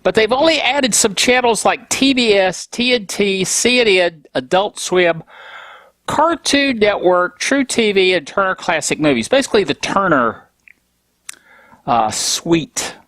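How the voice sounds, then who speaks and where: A man's voice: high-pitched, lively intonation, measured pace, a bit bright, no room sound. A man hosting a tech show alone, stuffy from a cold, talking casually with grumpy, self-mocking humor. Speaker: podcast host.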